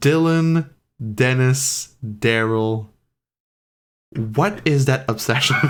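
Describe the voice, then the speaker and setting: In a strong Quebec accent, a man speaks at a very slow pace and medium pitch with long, frequent pauses and ordinary pitch variation. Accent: thick French Canadian. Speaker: podcast host and game master. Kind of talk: casual chat.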